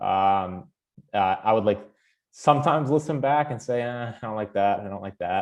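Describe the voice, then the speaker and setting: Against a quiet background, a man talks in a relaxed tone at a moderate pace. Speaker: sports radio host and podcaster. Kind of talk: casual interview chat. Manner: relaxed, sarcastic, smiling tone.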